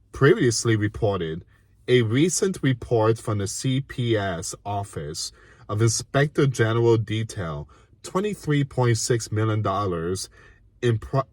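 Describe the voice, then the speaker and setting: Man from puerto rico, slow deliberate delivery, indignant news commentary, dry close sound. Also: lowish voice, no echo. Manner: indignant, reads slowly with frequent asides and restarts. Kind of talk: reading and commenting on a news article.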